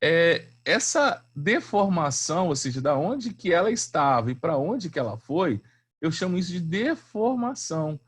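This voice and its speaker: Man, physics teacher, animated pitch, husky, slangy, quizzes students. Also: normal speed. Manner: lively, chatty, slangy, asks students questions. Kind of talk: online class lecture.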